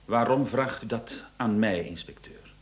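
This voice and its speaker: A man playing a defensive married gentleman under suspicion in a radio drama, formal, indignant and evasive. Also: on the low side, measured pace, lightly acted. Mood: cornered. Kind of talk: Dutch-language radio drama acting.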